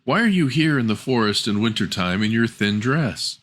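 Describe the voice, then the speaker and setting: A man's voice: medium pitch, animated, moderate pace, natural voice. A man voicing little male dwarves in a fairy tale, direct and plain-spoken. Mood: curious.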